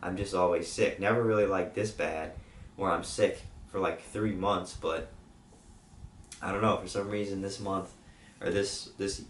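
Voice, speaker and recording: A young YouTube host updates his channel in a weak, sore-throated voice, rambling casually with lots of fillers and restarts. His voice is deep, a little slow and fairly even in intonation. He sounds distant from the mic in a roomy space, with slight background noise.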